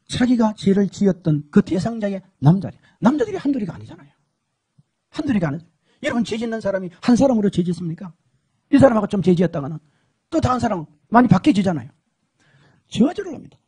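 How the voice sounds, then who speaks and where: High-voiced husky Korean preacher. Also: male voice, very animated, quick pace, long pauses. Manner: dramatic, swinging between shouts and hushed tones. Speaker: preacher giving a testimony. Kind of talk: emotional sermon testimony.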